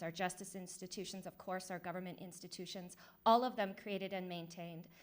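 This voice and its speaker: Earnest woman giving an academic talk. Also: mid-range voice. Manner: earnest, measured, lecturing. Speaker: educator and activist giving a talk. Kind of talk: academic conference presentation. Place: lecture hall at a law school.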